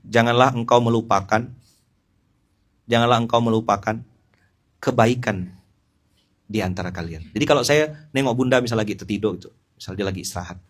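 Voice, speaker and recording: Animated preacher. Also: male voice, mid-range voice, brisk, long pauses. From Pontianak, West Kalimantan. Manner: animated, joking, addresses listeners directly. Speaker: Islamic preacher. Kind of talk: informal sermon.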